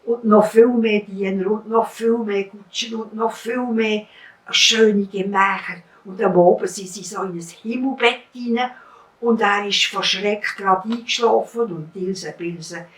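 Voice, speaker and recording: A woman's voice: mid-range voice, a little slow. Swiss German woman telling a folk tale. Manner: lively, vivid storytelling. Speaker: storyteller. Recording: roomy, heard from a distance.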